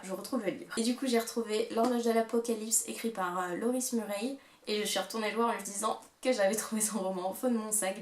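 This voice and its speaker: Chatty young French woman in a roomy room. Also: fairly high pitch. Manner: chatty, many fillers. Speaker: book vlogger. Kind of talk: casual book haul vlog.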